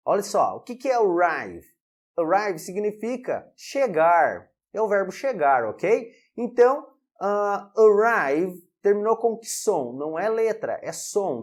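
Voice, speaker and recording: A man teaching an English pronunciation lesson, repeating each example word slowly. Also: high-pitched. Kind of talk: video lesson.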